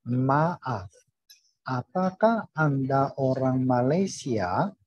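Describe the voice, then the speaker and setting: A man learning a language, carefully and haltingly reciting drill sentences over an online call. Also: mid-range voice, animated, slightly rough. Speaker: language student. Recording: dull, roomy online call recording.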